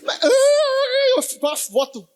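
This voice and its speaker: A man's voice: sing-song, unhurried, heavily acted. A man voicing a weeping old farmer who wails over his lost cows. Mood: wailing. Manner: high wailing sobbing.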